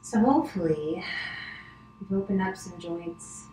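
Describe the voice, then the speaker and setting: A middle-aged woman instructs yoga in a lowish voice that stays very even. Her cues are gentle and unhurried, with soothing pauses between them. The room adds clear echo, and there is noticeable noise behind her. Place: wood-panelled living room, indoors. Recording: roomy echo, clear background noise, distant camera.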